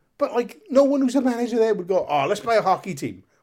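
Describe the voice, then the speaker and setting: Talking at a very fast pace, a man with a Welsh accent uses a high pitch and lively intonation. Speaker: comedian. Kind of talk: casual chat.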